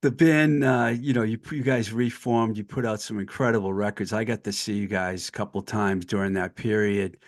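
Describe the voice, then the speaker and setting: A man's voice: lowish voice, fairly even intonation, normal speed, hardly any pauses. A man hosting a casual podcast interview, asking eager, fan-like questions. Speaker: podcast host.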